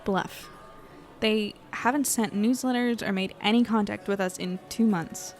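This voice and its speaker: A woman's voice: mid-range voice, unhurried, a little mellow, soft background music, lightly acted. An actress playing a caring, curious young woman chatting with friends in an audio drama, casual and a little hesitant. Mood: concerned, curious. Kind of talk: acted dialogue in an audio drama podcast.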